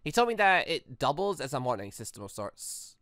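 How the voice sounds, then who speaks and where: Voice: medium pitch, big pitch swings, fast, fairly bright tone, dry recording, studio quality. A gamer voicing a teasing but concerned young woman from a visual novel. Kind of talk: visual novel dialogue read aloud.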